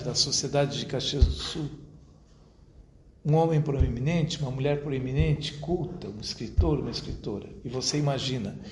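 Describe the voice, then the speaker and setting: A man giving an academic lecture to an audience at a university, speaking in a measured, rhetorical way and addressing his listeners directly. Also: medium pitch, a little mellow. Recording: roomy echo, faint background noise.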